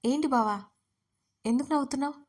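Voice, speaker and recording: A woman's voice: high voice, a little fast, a little mellow, pitched above the performer's own voice, close to an everyday voice. A woman voicing a cheeky young woman who bosses her friend around in an audio story. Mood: indignant. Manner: teasing, bossy.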